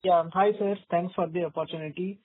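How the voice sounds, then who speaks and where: A man's voice: high-pitched, fairly even intonation, a little fast. A man asking detailed questions as an analyst on an earnings call. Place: telephone conference call. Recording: dull narrowband phone line.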